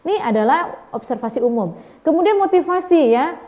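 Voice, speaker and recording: A woman lecturer explaining observation methods in a recorded video lesson, often adding "ya" and acting out short classroom exchanges. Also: a little fast. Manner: explanatory, acts out little classroom dialogues with lively pitch jumps; frequent tag "ya" and Indonesian-English code-switching. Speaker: university lecturer.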